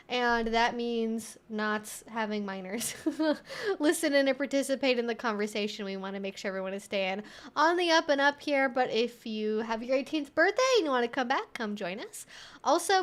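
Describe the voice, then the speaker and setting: High-voiced woman chatting on a livestream. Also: a bit bright. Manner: informal, rambling, thinking aloud. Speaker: livestream host and educator. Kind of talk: casual livestream Q&A chat.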